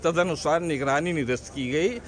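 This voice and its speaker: A man's voice: a little high, moderate pace. A man speaking as a lawyer to reporters, explaining a court ruling step by step in formal terms. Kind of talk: statement to press.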